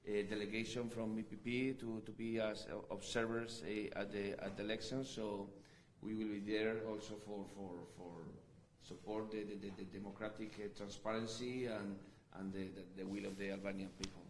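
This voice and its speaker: A man's voice: lowish voice, level tone, moderate pace, echoey room, a little hiss or hum. A man chairing a meeting, giving formal closing remarks with many fillers and repeated words.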